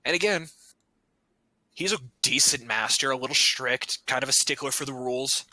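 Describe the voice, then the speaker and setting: A man narrates a tabletop game as game master, loose and joking, and he curses casually. His voice is very bright and sits close and dry. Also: medium pitch, moderate pace, dry recording, rough recording. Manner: casual, joking, swears freely.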